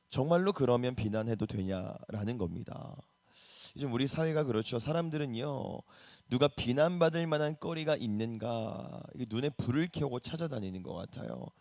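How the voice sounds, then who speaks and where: A male pastor delivers an early-morning sermon in a plain, everyday tone. He speaks conversationally and keeps asking his listeners rhetorical questions. His voice sits at a middle pitch and sounds dry and close, with no room echo. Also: a little mellow. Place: church.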